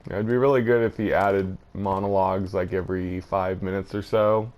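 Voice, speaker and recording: Low-pitched man casually commenting on a game. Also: fairly even intonation, normal speed, highs cut off. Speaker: gaming video host.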